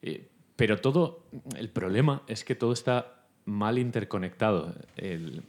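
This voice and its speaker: Male podcast host, Spain Spanish accent, fairly low voice, rambling anecdotal delivery. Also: unhurried. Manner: rambling, animated storytelling. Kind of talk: casual podcast chat.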